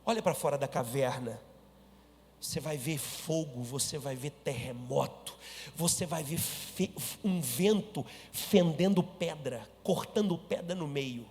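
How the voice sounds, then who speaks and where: A man voicing a calm, gentle God who speaks slowly, softly and reassuringly. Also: fairly high pitch, big-room sound, slight background noise, voice pushed down. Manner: soft, slow, reassuring.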